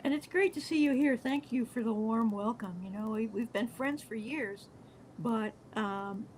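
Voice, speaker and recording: A woman's voice: a little high, unhurried, a little mellow, low-quality recording. Woman on a video call, praising folks, bit hesitant, faint noise behind. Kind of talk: casual roundtable chat.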